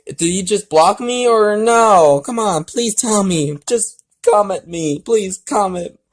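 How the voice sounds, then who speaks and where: A man in a casual, halting vlog style, rambling and restarting as he hosts a fan fiction reading. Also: high voice.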